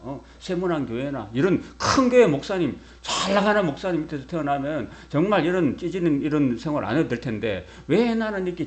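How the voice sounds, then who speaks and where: Lively middle-aged man preaching conversationally. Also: fairly high pitch. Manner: conversational preaching with rhetorical questions to the congregation. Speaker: pastor. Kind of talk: sermon.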